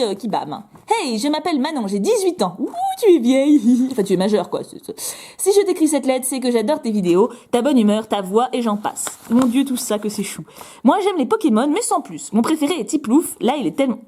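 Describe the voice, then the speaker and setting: A woman's voice: sits high, mellow. A young woman chatting casually to camera as she opens her fan mail, bubbly and playful, with lots of little fillers and repeats. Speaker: YouTuber opening fan mail.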